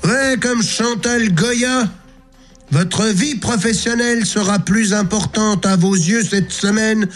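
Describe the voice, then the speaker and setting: A man's voice: high-pitched, takes it slowly, soft background music. A man on a radio comedy show reading joke horoscopes and mocking public figures, laughing at his own jokes.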